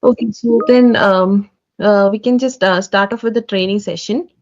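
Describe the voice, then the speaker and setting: A woman's voice: medium pitch, steady tone, moderate pace, darkish tone, soft background music. A woman running an online onboarding meeting for interns, polite and hesitant, with many fillers. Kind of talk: online meeting, training briefing. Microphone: video call. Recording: dull lo-fi call audio.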